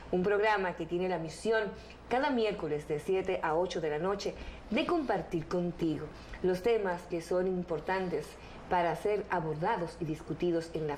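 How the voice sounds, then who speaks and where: A woman's voice: sits low, a little mellow, a little hiss or hum, low-quality recording. A middle-aged Dominican woman with a Dominican Spanish accent, hosting a TV talk show in a friendly, chatty way. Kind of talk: TV interview.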